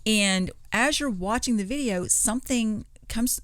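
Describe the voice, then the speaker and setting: A woman's voice: fairly high pitch, unhurried, dry recording, clean studio sound. A woman co-hosting a podcast, casually retelling paranormal stories in a conversational, chuckle-prone way. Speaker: podcast co-host.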